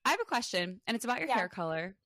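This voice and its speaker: A young woman in her twenties hosting a casual podcast chat, rambling with plenty of fillers and quick laughs. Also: medium pitch, sing-song, bright, forceful tone, no room sound. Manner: chatty, lots of fillers and laughs. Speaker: podcast host.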